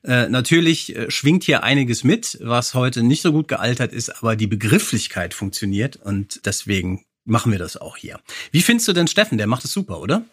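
A man's voice: medium pitch, very animated, brisk, husky, no echo, studio quality. A man co-hosting a podcast in casual, conversational German-style recap chat, informal in his delivery. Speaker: podcast co-host.

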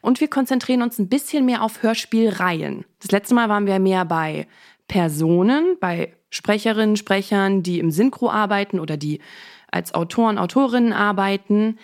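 A woman's voice: mid-range voice, moderate pace. A woman hosting a podcast in a casual, conversational style. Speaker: host.

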